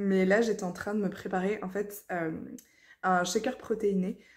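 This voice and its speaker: A woman's medium-pitched voice with a dark, mellow tone at a fairly slow pace. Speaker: life coach and vlogger. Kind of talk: casual vlog. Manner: hesitant, many fillers.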